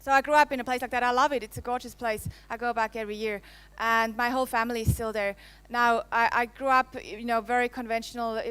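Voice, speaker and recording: A woman's voice: on the high side, steady tone, quick pace, a bit bright, clean tone, dry recording. Playful Swiss-accented woman on stage. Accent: Swiss, with some French. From Switzerland. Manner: playful, teasing the audience, laughs often. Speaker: conference speaker. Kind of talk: live keynote presentation. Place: conference hall. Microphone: handheld microphone.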